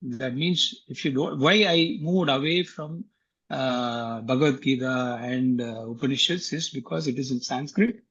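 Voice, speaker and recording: A man's voice: medium pitch, a little slow, fairly bright tone, breathy edge. Earnest man on a lo-fi online call. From Tamil Nadu, India. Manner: earnest, repeats words, frequent fillers. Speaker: guest speaker. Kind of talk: casual explanatory talk on an online call.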